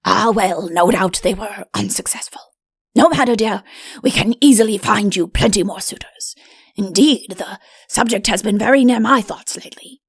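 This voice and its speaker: A woman's voice: mid-range voice, normal speed, breathy edge, no echo. A woman voicing a middle-aged fairy-tale king in an audiobook, a doting father who blusters and rambles self-importantly. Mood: eager, bustling. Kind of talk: audiobook character voice.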